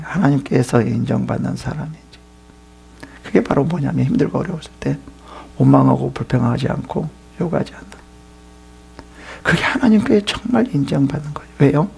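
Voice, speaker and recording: Raspy, gravelly male pastor preaching. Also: medium pitch, moderate pace, long pauses. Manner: animated preaching that swings from loud to whispered. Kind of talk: sermon.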